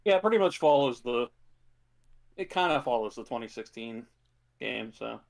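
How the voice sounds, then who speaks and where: A man with a creaky, mid-pitched voice co-hosts a casual podcast. He speaks in a low-key, slightly hesitant manner, as if chatting with a friend. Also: lively intonation, normal speed. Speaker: podcast co-host. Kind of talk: casual chat about movies.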